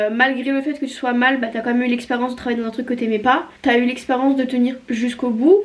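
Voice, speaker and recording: Speaking at a very fast pace with hardly any pauses, a woman uses a high pitch and fairly even intonation. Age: 20s. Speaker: youtuber. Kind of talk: casual chat.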